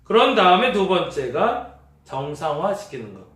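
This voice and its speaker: A man's voice: high-pitched, sing-song, normal speed, a bit bright. A male pastor preaching a conversational sermon, acting out everyday remarks as he goes. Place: church sanctuary. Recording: echoey church hall, mic at a distance.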